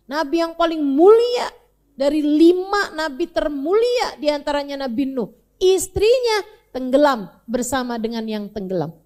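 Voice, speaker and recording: Slow, high-voiced woman preacher. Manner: expressive, swings between soft and emphatic; colloquial, addresses audience directly. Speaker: Islamic preacher. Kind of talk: storytelling sermon.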